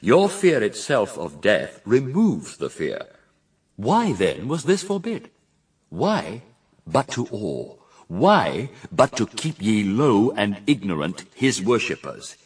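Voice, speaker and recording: A deep serpent tempter in a verse radio drama, sly and grandiose. He speaks with husky texture and theatrical passion, swooping widely in pitch. The sound sits a little off the microphone. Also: huge pitch swings, takes it slowly, distant mic, exaggerated voice. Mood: impassioned, persuasive. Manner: theatrical, impassioned, rhetorical questioning.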